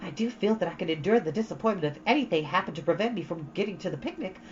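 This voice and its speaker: A woman's voice: lowish voice, expressive, very fast, lightly acted. A woman voicing a dreamy, romantic, chattering young girl in a storybook, gushing with dramatic earnestness. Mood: gushing, wistful. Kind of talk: storybook read-aloud. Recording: dull, lo-fi, faint background noise.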